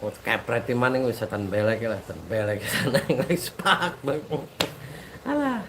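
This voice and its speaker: A man's voice: mid-range voice, big pitch swings, moderate pace, fairly bright tone, a little hiss or hum. A man with a stuffy nose, rambling casually to his followers and repeating himself. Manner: rambling, repetitive, mixes in local words. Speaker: preacher addressing followers. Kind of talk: casual live-stream talk with chanted sholawat.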